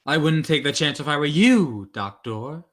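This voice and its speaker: A man's voice: a little high, expressive, moderate pace, lightly acted. A man playing a defiant, formally spoken jewel thief in a 1940s-style radio thriller. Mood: cool defiance. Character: cool, defiant male jewel thief facing a killer.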